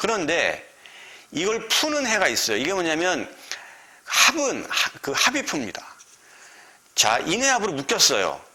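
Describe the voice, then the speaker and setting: Pitch swings very widely as a man talks at a fairly slow pace with long, frequent pauses. Noticeable background noise and audible room echo come through. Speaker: fortune-telling lecturer. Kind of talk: lecture. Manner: halting.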